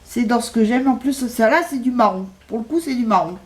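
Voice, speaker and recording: A woman's voice: a little high, a little fast, darkish tone, a little hiss or hum. A middle-aged woman chatting casually in a shopping haul video, hesitant with lots of fillers. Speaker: haul vlogger. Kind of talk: casual chat.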